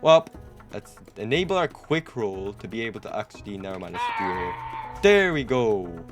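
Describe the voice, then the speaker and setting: A man's voice: on the low side, big pitch swings, normal speed. A young adult man giving casual gameplay commentary to camera as the host of a gaming video. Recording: music behind the voice.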